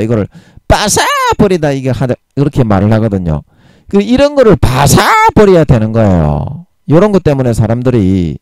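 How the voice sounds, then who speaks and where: Blunt man preaching with a lively voice. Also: medium pitch, dry recording. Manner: blunt, emphatic preaching with coarse everyday words; drawn-out, slowed emphasis on key phrases. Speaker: evangelist preaching. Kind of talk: sermon, Bible exposition.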